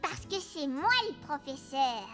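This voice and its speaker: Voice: sits high, animated, a little slow, over loud music. A performer voicing a cheerful, curious four-year-old boy in a children's cartoon, with simple, eager childlike phrasing. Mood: proud, playful.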